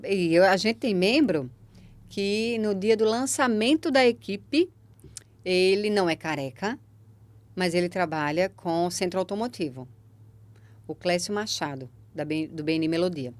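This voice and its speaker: A woman's voice: on the low side, measured pace. A woman with a Brazilian Portuguese accent hosting a podcast interview, speaking emphatically and encouragingly, often checking in with the listener. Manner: emphatic, encouraging, tag questions. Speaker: podcast host. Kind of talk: conversational interview.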